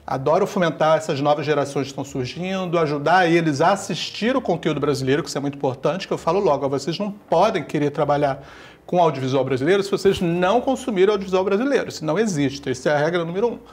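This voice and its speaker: Enthusiastic man from Taiwan, slightly high. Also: fast talker, slightly rough. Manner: enthusiastic, repeats himself. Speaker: guest filmmaker and teacher. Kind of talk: casual panel talk.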